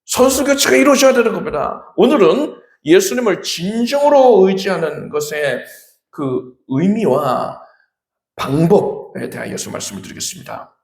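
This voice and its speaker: A man preaching a Sunday sermon as pastor, dramatic, with sudden shouts and big swings in pitch. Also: animated, moderate pace, vocal fry. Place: church sanctuary. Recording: echoey church hall.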